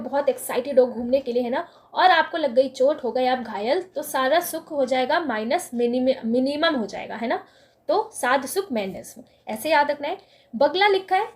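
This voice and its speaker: A woman's voice: high-pitched, a little mellow. A woman teaching a lesson on memory tricks, explaining step by step and answering her own questions.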